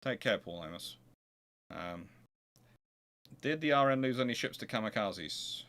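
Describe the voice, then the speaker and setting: A man's voice: fairly low pitch, lively intonation, measured pace, fairly bright tone. Man hosting an informal history talk. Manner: hesitant, thinking aloud, self-correcting. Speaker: host of a naval history show. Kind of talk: informal question-and-answer talk and reading aloud from books.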